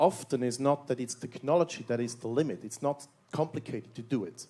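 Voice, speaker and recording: This man's voice has a dark, mellow tone, a fairly high pitch and ordinary pitch variation. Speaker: audience member asking a question; UN development worker. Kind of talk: Q&A question at a conference. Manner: halting, with fillers and repetitions.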